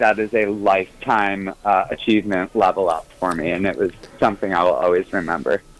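The speaker is a man with a fairly quick pace. Music sits in the background. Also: hardly any pauses. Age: 30s. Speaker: band drummer. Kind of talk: interview.

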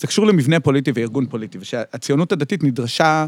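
Talking very fast with lively intonation, a man uses a fairly high pitch, the sound dry and close with no echo. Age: 40s. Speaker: political activist and author. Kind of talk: long-form interview conversation. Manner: hesitant, many fillers and restarts.

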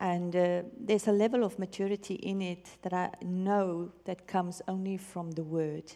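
With hardly any pauses, a woman speaks at a moderate pace and medium pitch in a dark, mellow tone with fairly even intonation. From South Africa. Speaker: visiting preacher. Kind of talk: sermon. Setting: church.

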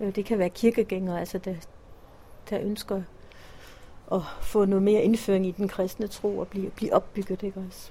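Speaking at a moderate pace with long, frequent pauses, a woman has a medium pitch, a dark, mellow tone and monotone, flat intonation. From Denmark, Ærø. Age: 60s. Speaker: pilgrim pastor. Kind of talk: interview. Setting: airport.

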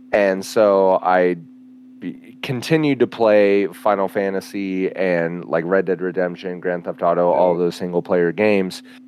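A man with a very deep, low pitch and ordinary pitch variation speaks at a fairly slow pace over noticeable background noise. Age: 30s. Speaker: gamer guest. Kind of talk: casual chat.

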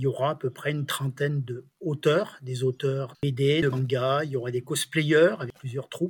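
Speaking at a moderate pace with a Dauphiné accent, a man with a fairly high pitch and a somewhat breathy voice keeps his intonation fairly even. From Grenoble region, France. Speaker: printing industry executive and consultant. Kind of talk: interview.

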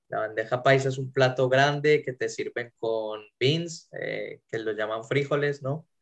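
With a normal speaking voice, a man talks at a medium pitch and a fairly slow pace, his intonation fairly even and hardly any pauses breaking it up. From Spain, Madrid (born in Medellín, Colombia). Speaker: rapper. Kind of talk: casual chat.

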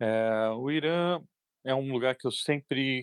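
A man with a São Paulo accent, in a very clean recording with a silent background and a dry, close sound with no echo. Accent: Paulistano Brazilian Portuguese. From Brazil, São Paulo city. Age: 50s. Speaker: travel guide. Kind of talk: interview.

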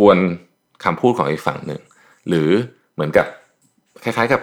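A man with a Thai accent speaks with very wide pitch swings. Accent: noticeable Thai accent when speaking English. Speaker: podcast host. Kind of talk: casual explainer monologue.

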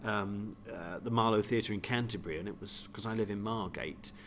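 Speaking at a moderate pace, a man has a fairly low pitch and a fairly bright tone.

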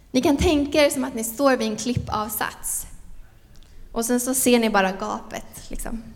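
High-pitched female voice at a moderate pace with ordinary pitch variation, audible room echo and noticeable background noise. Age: 30s. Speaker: guest preacher. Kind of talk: sermon.

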